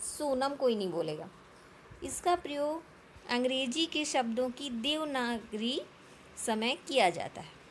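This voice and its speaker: A woman with a fairly high voice teaches a children's grammar class at a slow, deliberate pace. She poses questions, answers them herself and drills the sounds one by one. A faint hum of ambience sits under her voice. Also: lively intonation. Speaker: primary school Hindi teacher. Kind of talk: classroom lesson explaining Hindi grammar.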